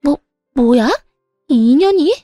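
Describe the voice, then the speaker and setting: A woman voicing a rude, shrill younger sister-in-law who stammers indignantly. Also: expressive, normal speed, dark tone, no room sound, studio quality, soft background music.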